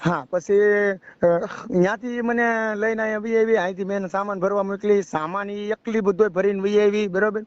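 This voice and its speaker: This high-voiced young man from Gujarat, India, speaks a little fast with fairly even intonation, his rural Saurashtra Gujarati accent coming through on a dry, dull lo-fi phone call. He's a caller seeking advice who rambles through a personal account and frequently tacks on checking questions.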